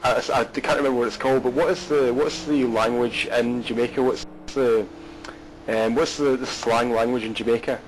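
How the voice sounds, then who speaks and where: A man's voice: mid-range voice, steady tone, normal speed, low-quality recording. A Scottish man commentating an online race and chatting with a guest, rambling with fillers and restarts. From Scotland. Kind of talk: live race commentary and interview.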